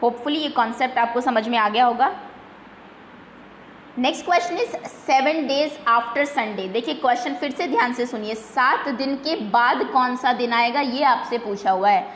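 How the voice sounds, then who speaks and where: A woman, a teacher leading a slow, patient quiz lesson for young pupils and repeating words carefully. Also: on the high side, a bit bright, reverberant, a little hiss or hum. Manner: patient, repeats slowly, mixes English terms.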